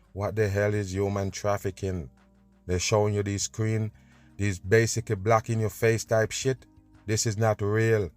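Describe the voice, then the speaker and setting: A man's voice: on the low side, dry recording. Emphatic man scornfully reacting, dry sound. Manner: emphatic, scornful, repeats "pay attention". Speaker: host reacting to video clips. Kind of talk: reaction commentary.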